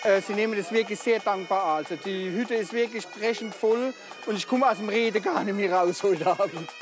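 A man from the Palatinate, the organizer of a festival, talking in a relaxed, chatty way in an interview. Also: sits high, brisk. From Palatinate, Germany. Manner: relaxed, chatty, with tag questions. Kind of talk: casual interview. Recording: noisy crowded festival. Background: bagpipe music and crowd chatter.

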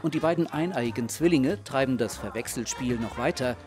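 A man's voice: mid-range voice, a little fast, music in the background. Wry male TV report narrator. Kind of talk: scripted TV narration.

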